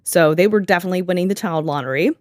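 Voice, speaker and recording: A woman hosting a podcast in an easy, sarcastic chat, laughing often and swearing freely. Her voice sits a little low and the sound is dry and close to the mic. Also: racing, a little mellow, no echo. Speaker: podcast host. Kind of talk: casual chat.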